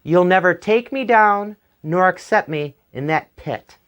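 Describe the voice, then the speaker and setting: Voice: mid-range voice, lively intonation, measured pace, fairly bright tone, smooth. A storyteller voicing Stingy Jack, a crafty, stingy trickster man who talks in a sly, wheedling way, in a told folktale. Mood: scheming. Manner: wheedling, sly, feigning innocence. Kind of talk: oral folktale telling.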